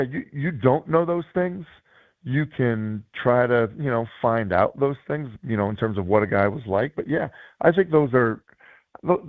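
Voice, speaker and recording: A man with a hoarse, worn-out voice talks football as a guest coach, circling his points with endless fillers and restarts. His low, gravelly tone comes through a thin, tinny phone line. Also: no echo. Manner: rambling, many fillers and restarts. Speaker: guest analyst and high school coach. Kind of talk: casual sports radio chat.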